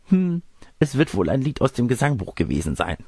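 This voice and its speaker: A man's voice: medium pitch, very animated, brisk, a little mellow, slightly rough, no echo, studio quality, voice pushed up. A man voicing a lecherous wolf-sorcerer who poses as a grandmother in a storybook tale, by turns testy, wheedling and smug. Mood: evasive. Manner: wheedling, boastful, crude. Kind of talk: storybook character reading.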